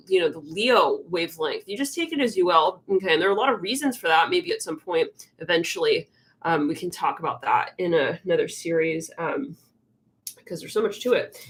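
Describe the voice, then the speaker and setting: A young woman rambles through a casual live tarot stream, stopping and restarting with plenty of fillers. Her voice is a little congested. She often drops into quiet murmurs to herself between thoughts. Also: mid-range voice.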